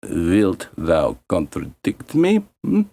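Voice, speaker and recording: A man's voice: deep voice, wildly swooping pitch, mellow, dry recording, full character voice. A man voicing a cruel, commanding stepmother in a fairy tale, drawing out the words with menace. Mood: menacing. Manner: slow, drawn-out, menacing.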